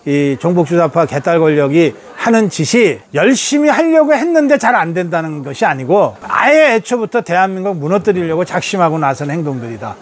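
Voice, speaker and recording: A man in his sixties with a high voice for a man speaks as a political commentator. He lectures emphatically, poses rhetorical questions and drops into colloquial, everyday asides. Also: darkish tone.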